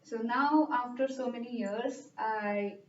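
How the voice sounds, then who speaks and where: A woman in her thirties from India with an Indian accent, earnestly answering interview questions at a careful, steady pace. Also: a little high, takes it slowly, slight background noise. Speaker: club member interviewee. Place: club meeting room. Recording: roomy, distant, dull sound.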